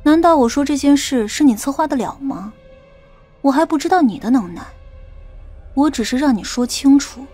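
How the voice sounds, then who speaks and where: A woman playing a stern, sharp-tongued female police captain in an audiobook, questioning a suspect in a cold, accusing manner. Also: sits high, lively intonation, moderate pace. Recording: faint music bed under the voice.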